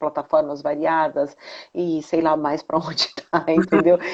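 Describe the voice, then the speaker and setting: Against a quiet background, a woman speaks at a moderate pace with a very deep, low pitch. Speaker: voice actor, dubbing director. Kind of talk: interview answer. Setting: online live stream.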